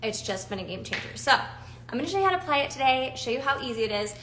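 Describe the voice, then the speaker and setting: A woman's voice: sits high, big pitch swings, fast, fairly bright tone, reverberant, a little hiss or hum. A woman in her forties hosting a casual live stream, chatty and bubbly, laughing often as she talks through makeup. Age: 40s.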